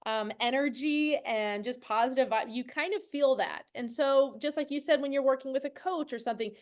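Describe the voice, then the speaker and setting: Female interview host, high register, chatty and supportive, casual conversational delivery. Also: a little fast. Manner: encouraging, affirming.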